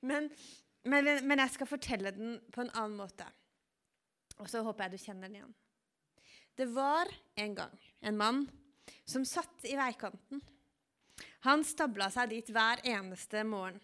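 A woman preaching, telling a Bible story in a calm, vivid storytelling manner. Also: a little high, long pauses. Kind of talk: storytelling sermon.

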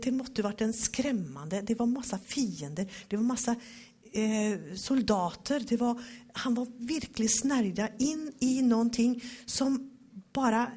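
Woman, devotional Bible teaching, slow emphatic scripture reading, husky voice, fairly high pitch. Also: mellow. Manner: reads scripture slowly and emphatically, then talks it over.

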